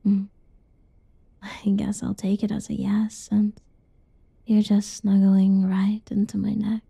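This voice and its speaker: A young woman doing a whispered ASMR roleplay in a soft, teasing whisper, recorded close and dull. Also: mid-range voice, monotone, slow pace, gravelly, breathy edge, no echo.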